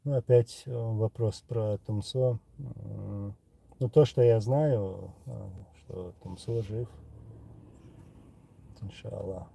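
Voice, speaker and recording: Casting: Chechen-accented male streamer, low and gravelly, unhurried, reading out viewer questions. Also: dark tone. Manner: unhurried, pausing often with filler sounds. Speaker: livestream host answering viewer questions. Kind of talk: casual live chat reading comments.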